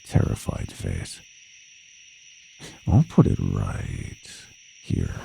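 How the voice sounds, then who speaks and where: A man voicing a sadistic, playful monster hunting humans in a horror ASMR roleplay, taunting and savoring in a gravelly, breathy, often whispered voice. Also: very deep voice, warm tone, slight background noise, exaggerated voice, poor audio. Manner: slow, taunting, menacing, savoring.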